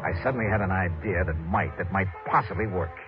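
A man's voice: low-pitched, a little fast, natural voice. An actor playing a wry, hard-boiled insurance investigator who narrates his own case in a 1950s radio drama. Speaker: narrator and lead. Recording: lo-fi old radio with music cues.

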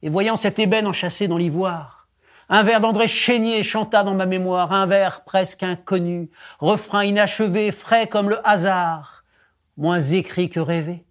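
High-voiced man reciting poetry. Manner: measured, expressive declamation.

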